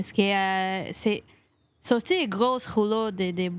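In a Portuguese accent, a woman speaks at a very slow pace, at medium pitch with fairly even intonation. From Brazil. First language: Portuguese (speaking French). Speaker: immigrant worker. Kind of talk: casual interview. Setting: outdoors by a lake. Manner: halting, searching for words.

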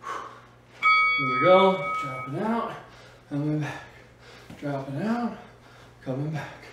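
Loud background noise and audible room echo surround a voice moving at a very slow pace. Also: man. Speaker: fitness instructor. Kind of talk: workout instruction. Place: gym.

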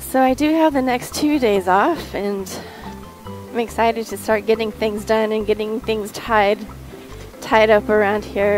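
The voice has ordinary pitch variation and a dry sound with no echo, with clear music in the background. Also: woman. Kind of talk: casual vlog chat. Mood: excited, upbeat. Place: motorbike. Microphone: helmet.

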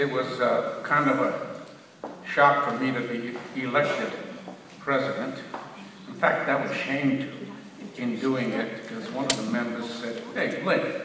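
Speech comes at a fairly slow pace, with long, frequent pauses and ordinary pitch variation. Audible room echo and noticeable background noise fill the recording. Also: man. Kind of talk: ceremonial speech. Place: hall. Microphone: camera far.

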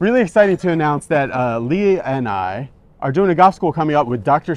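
With lively intonation, a man talks in a normal speaking voice. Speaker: golf video host. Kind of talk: casual chat. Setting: outdoors.

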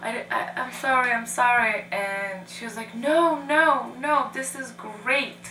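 There is noticeable background noise as a woman speaks with a Polish accent. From Poland. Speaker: interviewee. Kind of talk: interview answer. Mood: warm, reflective storytelling. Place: home room.

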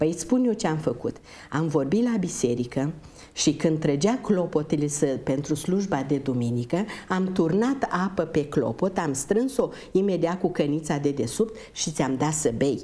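A woman speaks with a very deep, low pitch and a dark, mellow tone. Her pace is fairly slow, and her intonation is lively. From Romania, Botoșani county (Moldavia); Romania. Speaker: museum director; guest. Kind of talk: interview. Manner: talkative. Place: hall. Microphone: lapel.

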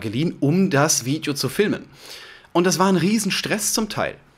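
Pitch swinging very widely, a man rattles along at a very fast pace. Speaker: photography video creator. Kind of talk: casual vlog chat. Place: home room. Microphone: studio mic.

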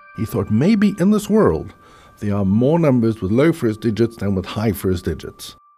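Music plays in the background as a man talks at a moderate pace. His medium-pitched voice moves in very wide pitch swings. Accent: South African. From Cape Town, South Africa.

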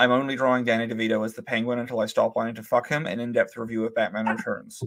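Over a quiet background, a man speaks at a medium pitch with a New Zealand accent. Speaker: comic book writer and artist; comic book writer. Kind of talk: interview. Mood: playful, storytelling. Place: home room. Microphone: webcam.

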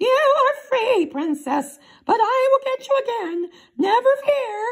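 In a shrill, put-on character voice, a female-sounding speaker talks at an extremely high pitch for a woman and a fairly slow pace. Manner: threatening, triumphant.

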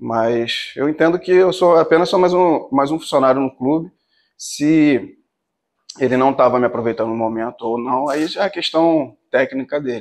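Moderate pace against a quiet background. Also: man, fairly high pitch for a man, ordinary pitch variation. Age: 30s. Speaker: professional footballer. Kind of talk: press conference. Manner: halting, many repetitions. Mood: calm, measured. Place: meeting room. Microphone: podium.

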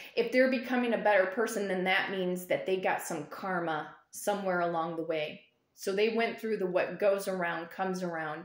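A woman speaks at a moderate pace with fairly even intonation. Room echo can be heard. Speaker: tarot reader. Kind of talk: tarot reading commentary. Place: home room. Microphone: phone near.

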